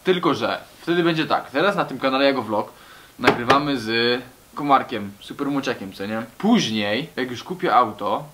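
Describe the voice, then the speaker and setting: A young adult male vlogger rambles to camera in a small brick-walled garage, using slang and often calling his viewers buddies. His medium-pitched voice is expressive at normal speed, and the recording is very noisy.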